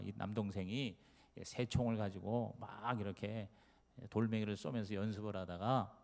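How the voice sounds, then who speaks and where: A man's voice: lowish voice, mellow. Male pastor preaching, tells stories, asks the crowd questions, long echo in a big church. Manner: storytelling, emphatic rhetorical questions. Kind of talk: sermon. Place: church sanctuary. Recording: long reverb of a church sanctuary.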